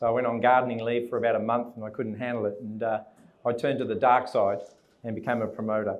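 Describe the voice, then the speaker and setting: A man with an Australian accent, medium-pitched and flat in a monotone, with audible room echo. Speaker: mining company executive. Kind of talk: panel discussion.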